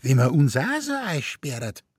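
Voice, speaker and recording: A woman's voice: low voice, sing-song, measured pace, a little mellow, husky, dry recording, studio quality, pitched above the performer's own voice, exaggerated voice. A man reading aloud voices a plaintive, nagging Munich wife in broad Bavarian dialect. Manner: plaintive, scolding, pleading.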